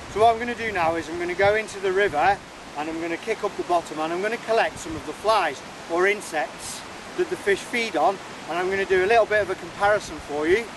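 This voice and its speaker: A man's voice: sits high, far from the mic. A Welsh man in his forties, a fly fishing instructor, explaining his setup step by step while standing outdoors by a river, recorded on a camera mic. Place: outdoors beside a rushing river. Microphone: camera mic, close framing. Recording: loud river noise behind voice. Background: rushing river water.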